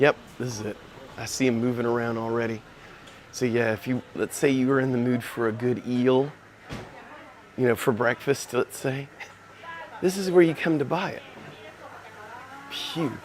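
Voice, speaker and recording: Quiet and paced moderately, a man speaks with long, frequent pauses over noticeable background noise. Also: medium pitch for a man, ordinary pitch variation. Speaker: travel vlogger. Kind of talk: live stream walking tour. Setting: outdoors at a market. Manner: speaking quietly.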